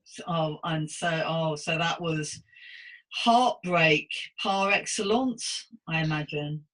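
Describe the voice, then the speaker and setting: A woman hosting a podcast as a psychotherapist, interviewing in an effusive, gently encouraging, conversational way. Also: deep voice, slow, rough recording.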